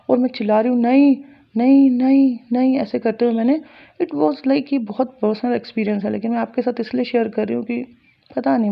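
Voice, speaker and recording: A woman's voice: on the high side, vocal fry, muffled recording. A woman earnestly recounting a personal spiritual experience to her viewers, repeating phrases as she relives it. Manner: earnest, repetitive, intense retelling. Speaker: spiritual storyteller. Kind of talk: personal story told to viewers.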